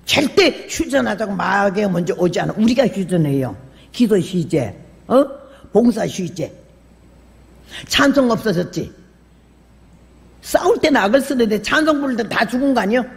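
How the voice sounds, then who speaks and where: An older woman missionary preaching a sermon, telling her own story with lively acted-out voices and sudden shouts. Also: mid-range voice, moderate pace, gravelly, long pauses. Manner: animated storyteller, acts out quoted voices, bursts into shouts. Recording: long hall reverb.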